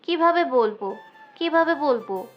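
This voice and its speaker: A woman's voice: a little high, a little slow, close to an everyday voice. A woman voicing a frightened, timid young woman who pleads and defends herself. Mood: fearful. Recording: muffled audio with background music.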